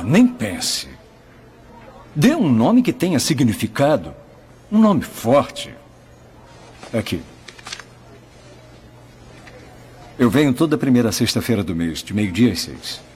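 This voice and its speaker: Low-voiced kindly Brazilian photographer. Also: male voice, a little mellow, a little hiss or hum. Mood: earnest. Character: kindly, earnest male photographer, gently advising. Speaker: dubbing actor. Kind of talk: Brazilian Portuguese film dub.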